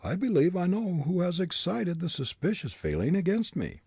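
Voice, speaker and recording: A proud, scornful young man facing his accusers, as a male reader voices him, pitched well above the narrator's voice. His tone is husky and swings widely in pitch. Dry, close storybook reading. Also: sing-song, moderate pace, warm tone, dry recording, full character voice. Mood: defiant. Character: young male prisoner, defiant and contemptuous.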